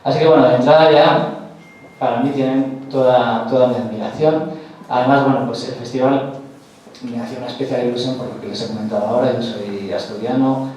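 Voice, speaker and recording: A composer talking to an audience in a large hall, his mellow voice picked up from a distance and ringing with heavy echo. He speaks in a hesitant way, pausing often and restarting his sentences. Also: mid-range voice, steady tone, lo-fi sound, slight background noise. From Spain. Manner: hesitant, many fillers and restarts. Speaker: composer presenting a festival commission. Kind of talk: public talk at a presentation. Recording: echoey hall, voice from far off.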